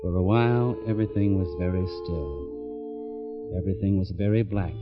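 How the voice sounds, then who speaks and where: A man as a deadpan, tough homicide cop. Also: low voice, normal speed, natural voice. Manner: dry, clipped, deadpan wisecracks. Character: tough, wisecracking homicide lieutenant. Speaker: police lieutenant and narrator. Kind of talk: 1950s radio drama. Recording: dull old radio recording with music.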